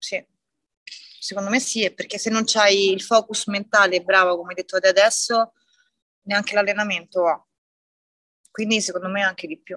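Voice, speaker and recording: At a moderate pace with long, frequent pauses, a woman speaks at medium pitch in a bright, sharp tone with fairly even intonation, the sound dry and close with no echo. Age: 40s. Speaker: CrossFit athlete. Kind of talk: casual interview.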